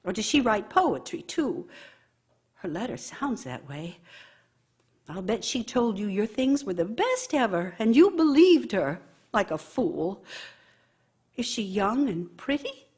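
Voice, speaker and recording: Scornful nagging wife in a radio play, raspy high voice, really swoopy, bitter and needling. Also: female voice, very animated, measured pace, long pauses, darkish tone. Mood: accusing, scornful. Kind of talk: radio theater monologue.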